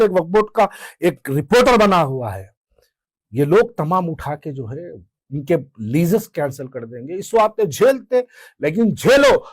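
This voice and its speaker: Fiery high-voiced man. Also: dry recording. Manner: fiery, sarcastic, rhetorical questions. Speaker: political commentator. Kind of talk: impassioned political commentary.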